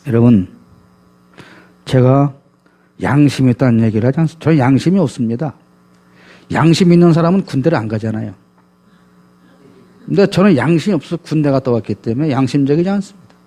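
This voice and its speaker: A man's voice: mid-range voice, brisk, long pauses, warm tone. A man preaching a sermon as a pastor, emphatic and full of rhetorical questions to his congregation.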